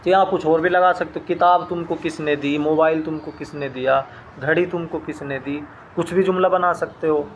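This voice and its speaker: A man's voice: a little high, steady tone, normal speed, a little hiss or hum. A man teaching a language lesson, saying each phrase, repeating it, and translating it word by word in a patient, methodical way.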